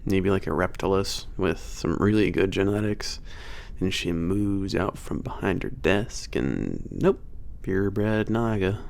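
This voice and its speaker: A man's voice: low-pitched, expressive, measured pace, vocal fry, few pauses, a little mellow, exaggerated voice. A man playing a casual werewolf maintenance trainer with some attitude, teasing and a little hesitant, in an ASMR audio drama. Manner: hesitant, teasing, sighing and chuckling casual talk.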